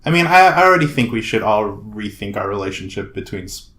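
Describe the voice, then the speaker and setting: Deadpan low-voiced man. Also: fast, roomy sound. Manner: dry, deadpan jokes. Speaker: podcast co-host. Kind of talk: casual chat.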